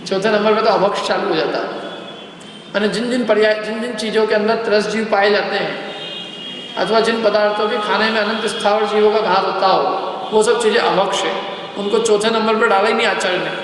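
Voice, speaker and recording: High-voiced man lecturing in an echoey hall. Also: fairly even intonation, brisk, a bit bright. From India. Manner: explains step by step, asks the listeners questions. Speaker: lecturer on scripture. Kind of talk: religious lecture to a class. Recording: echoey hall, faint background noise.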